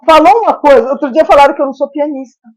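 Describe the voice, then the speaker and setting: A woman's voice: sits high, darkish tone. An older woman hosting a studio chat show, talking in a chatty way and often finishing her guest's sentences. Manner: chatty, quick to agree and finish the other's sentences. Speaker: host. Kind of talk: casual chat.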